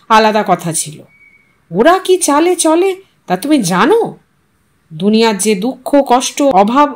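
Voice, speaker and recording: A woman voicing a proud, grumbling husband who worries about money, in a sarcastic, complaining manner. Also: sits high.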